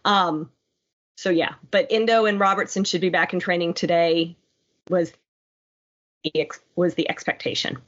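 A woman's voice: lowish voice, steady tone, moderate pace, pauses often. Nasal, congested woman co-hosting a podcast. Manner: tentative, hedges what she reports. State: congested from a cold. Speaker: podcast co-host. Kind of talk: casual podcast chat. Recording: dull lo-fi podcast audio.

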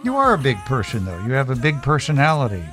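A man's voice: medium pitch, wildly swooping pitch, fast talker, a bit bright, soft background music. Curious man hosting a radio interview. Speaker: radio host.

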